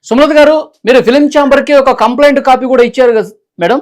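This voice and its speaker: A woman's voice: high-pitched, racing, darkish tone. A woman interviewing someone over the phone, politely putting questions and prompting with short acknowledgements. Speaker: interviewer, reporter.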